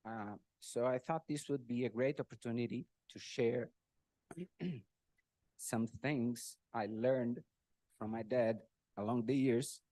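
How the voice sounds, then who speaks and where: A man's voice: mid-range voice, a little mellow, no echo. Emotional middle-aged man. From Brazil. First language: Portuguese. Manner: emotional, often clears his throat, self-deprecating humor. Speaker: speaker at a birthday tribute. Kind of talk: personal tribute speech with jokes.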